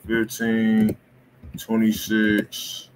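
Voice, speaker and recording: A man's voice: fairly low pitch, completely flat delivery, very slow. A man hosting a live music review stream in a casual, slangy, informal way. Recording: faint room noise.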